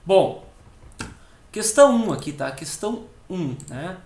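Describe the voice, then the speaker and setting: A man with a southern Brazilian accent teaching an exam-prep lesson, explaining step by step and tagging nearly every phrase with a quick check-in question. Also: high-pitched, expressive, darkish tone. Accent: southern Brazilian (Rio Grande do Sul). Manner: repeats key words slowly for emphasis. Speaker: Portuguese teacher for civil service exams. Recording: echoey room.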